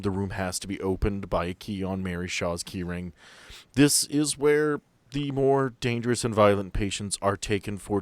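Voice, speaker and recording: A man's voice: fairly low pitch, no room sound. A man narrating a tabletop role-playing game as game master, describing rooms at an easy pace.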